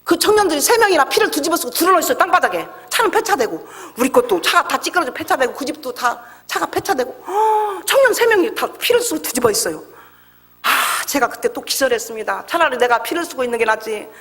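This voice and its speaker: A woman's voice: sits high, very animated, fast, fairly bright tone. A middle-aged woman pastor giving an emotional testimony sermon in a church, acting out the voices in her story. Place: church sanctuary. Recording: echoey church hall.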